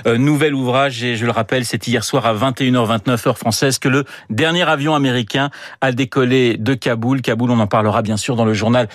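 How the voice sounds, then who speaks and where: A man's voice: medium pitch, fairly even intonation, a little fast, dry recording, studio quality. A man hosting a live morning radio show, polite and lightly teasing as he introduces guests and asks questions. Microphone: studio microphone.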